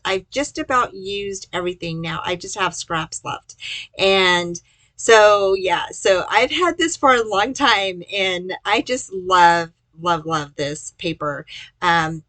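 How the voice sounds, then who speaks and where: A woman's voice: mid-range voice, bright, forceful tone, no room sound, rough recording. A woman giving casual, chatty step-by-step instructions in a folksy way, as the host of a craft tutorial.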